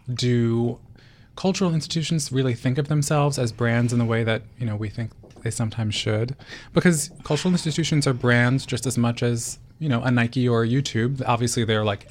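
A man at a middle pitch co-hosts a podcast, asking relaxed questions in loose, rambling phrasing. He sounds easygoing. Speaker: podcast co-host. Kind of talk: casual interview questions.

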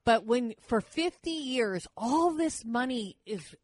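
A woman's voice: fairly high pitch, expressive, slow, darkish tone, dry recording. A woman hosting a talk show, interviewing a guest in a chatty, agreeable way. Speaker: host.

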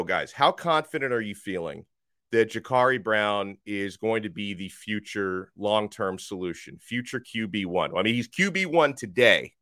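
A man hosting a college football podcast, slightly hoarse, talking with emphatic energy that rises toward near shouts. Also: on the low side, dry recording, studio quality. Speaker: sports podcast host. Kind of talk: college football talk with ad read. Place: radio studio.

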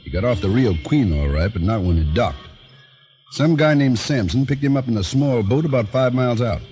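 An actor playing a gruff, dogged police lieutenant in a 1940s-style radio drama. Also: male voice, mid-range voice, animated, a little fast, mellow, faint music behind, lightly acted. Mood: stern. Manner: gruff, warning.

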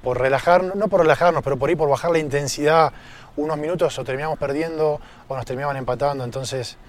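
A man answering as a professional footballer in an interview, measured and repetitive in phrasing. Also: fairly high pitch, slight background noise. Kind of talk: post-match interview.

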